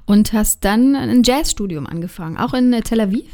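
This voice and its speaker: A woman's voice: on the high side, animated, a little fast, warm tone. A woman hosting a radio interview, chatty, with frequent fillers as she talks. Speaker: radio host.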